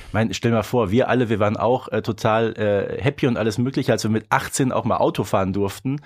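In a lowish voice, talking fast, a man co-hosts a podcast, casually reviewing a story in colloquial chat and often tacking tag questions onto his remarks to seek agreement. The recording is studio quality with no echo.

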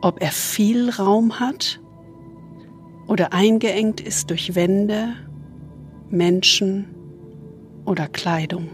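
A woman leads a guided meditation in a soft, soothing spa manner, leaving long pauses and trailing into breathiness. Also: mid-range voice, steady tone, faint music behind. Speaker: host guiding a relaxation exercise.

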